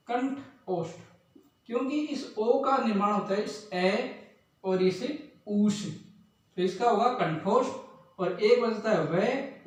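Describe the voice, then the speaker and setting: High-voiced teacher in an echoey room. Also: male voice. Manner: slow, drills sounds one by one. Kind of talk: exam-prep lesson. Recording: echoey room, far from mic.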